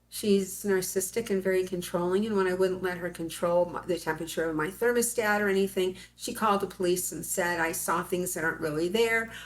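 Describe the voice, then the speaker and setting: With fairly even intonation, a woman talks in an ordinary speaking voice at medium pitch. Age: 60s. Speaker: interviewee describing alien encounters. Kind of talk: interview.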